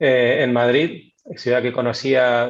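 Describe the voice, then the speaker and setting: Medium in pitch, a man's voice moves at a fairly slow pace. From Argentina, Necochea. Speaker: tech company co-founder. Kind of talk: interview. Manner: halting, many repetitions and fillers.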